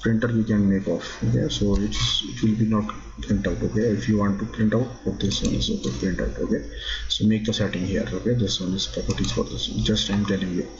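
A man with a fairly low voice gives a screen-recorded software tutorial in halting. He stops often on "okay" as he walks through each step. The sound is dull and lo-fi, from a basic computer mic. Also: steady tone, background noise. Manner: halting, repeats "okay" often, non-native phrasing. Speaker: drafting instructor.

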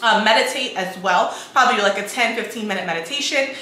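A young woman, a bit hoarse from a cold, chatting casually to her viewers from her home kitchen. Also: mid-range voice, quick pace, pushed and bright. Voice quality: raspy. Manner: chatty, addresses viewers as guys and y'all. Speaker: lifestyle vlogger. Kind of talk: casual chat to camera. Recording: echoey kitchen with faint noise.

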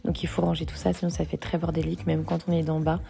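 Low and mellow with vocal fry, this thirtysomething woman talks fast in a completely flat delivery as she casually vlogs her cleaning routine, explaining each step and cheering herself on. She's inside a big modern home, where the room echoes and soft music plays in the background.

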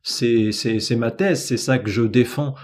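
A man's voice: medium pitch, a little slow, a little mellow. A man from France giving his opinion to camera, repeating himself as he justifies his position. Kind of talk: explanatory opinion talk to camera.

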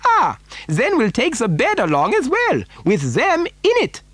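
An eccentric chocolate factory boss from a children's storybook. His high voice swoops wildly with theatrical emphasis. He is imperious and excitable, recorded close and dry. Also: measured pace, no echo, heavily acted. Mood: gleeful, brisk.

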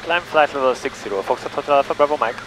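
Calm pilot on a headset mic. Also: male voice, mid-range voice, fast talker, rough recording. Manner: calm, methodical, reads back clearances. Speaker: private pilot. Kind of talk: cockpit narration and radio calls. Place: small plane cockpit in flight. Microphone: headset boom mic. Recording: engine noise through headset intercom.

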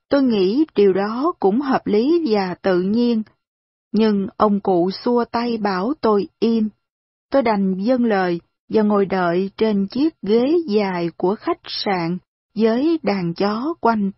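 A woman reading a novel aloud in a calm, steady storytelling voice. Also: medium pitch, husky, dry recording, muffled recording. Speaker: audiobook reader.

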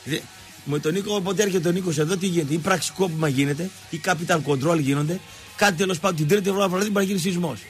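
Over faint background music, a high-pitched man hosts a radio sports show from the studio microphone. He is an animated, mocking storyteller who rambles about football and keeps digressing.

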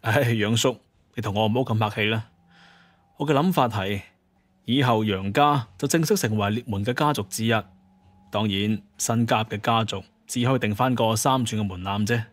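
A male actor plays a confident leader of monster hunters in an audio drama. His voice sits on the low side and is recorded close and dry. He explains things in a measured way, courteous yet clearly in authority. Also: no echo, lightly acted. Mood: persuasive, explaining. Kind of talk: Cantonese audio drama dialogue.

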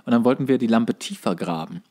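A man's voice: mid-range voice, fast, darkish tone. A man telling anecdotes in casual chat as a podcast co-host.

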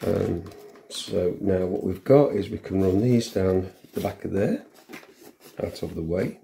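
A middle-aged man giving a casual hands-on tutorial, halting and thinking aloud as he works in a room at home. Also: deep voice, creaky, dark tone, a little hiss or hum. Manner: halting, unscripted, thinking aloud while working. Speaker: vlogger demonstrating a helmet intercom fitting.

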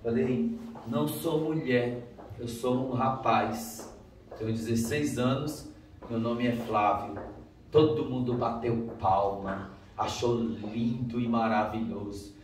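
A man's voice: medium pitch, steady tone, takes it slowly, slight background noise. A man with a Brazilian Portuguese accent giving a dramatic testimony sermon as a preacher. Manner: dramatic storytelling, acting out dialogue in raised voices. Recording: roomy, distant mic.

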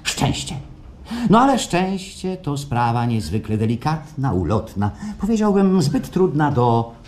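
Courteous, insistent institute boss selling a service. Theatrical radio drama, very lively intonation, slight background noise. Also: male voice, mid-range voice, a little slow. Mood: smooth, persuasive. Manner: courteous, salesmanlike, smoothly insistent. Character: suave, assured male institute president pitching happiness. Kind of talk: theatrical radio play acting. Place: performed live at a radio theatre festival. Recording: live stage radio play, faint noise.

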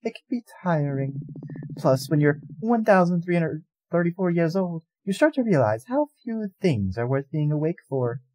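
A man voicing an ancient, weary female goddess who speaks softly and courteously. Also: fairly high pitch, sing-song, normal speed, no echo, voice pushed up, rough recording. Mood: composed. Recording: music bed underneath.

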